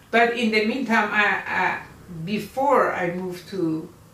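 A woman speaks at medium pitch against noticeable background noise. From Iran. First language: Persian. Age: 70s. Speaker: writer and public speaker. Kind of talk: personal storytelling monologue.

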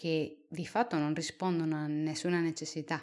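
A woman with a Spanish accent speaks in a very deep, low pitch. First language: Spanish (speaking Italian). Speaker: marketing consultant podcast host. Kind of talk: solo educational podcast monologue.

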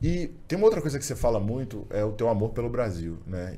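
Audible room echo surrounds a man as he speaks. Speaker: podcast host, entrepreneur. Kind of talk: casual interview.

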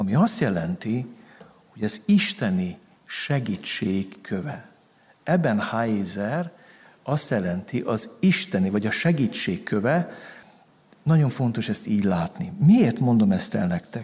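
Very slowly and with long, frequent pauses, a man speaks in a somewhat breathy, medium-pitched voice with very wide pitch swings. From mountainous region. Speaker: pastor. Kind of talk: sermon. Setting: church.

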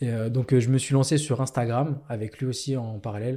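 A man's dark, mellow voice at a medium pitch with fairly even intonation, on a very clean recording with a silent background. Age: 20s. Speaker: student bodybuilder and entrepreneur. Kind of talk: casual chat.

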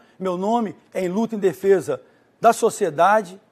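Keeping a moderate pace, a man speaks with a high pitch. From Cariacica, Espírito Santo, Brazil. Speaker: mayoral candidate, state deputy. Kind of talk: political debate. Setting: studio. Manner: combative.

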